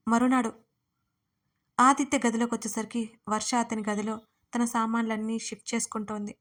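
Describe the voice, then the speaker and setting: Steady woman storyteller, even tone. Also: a little high, normal speed. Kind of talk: scripted audio story narration.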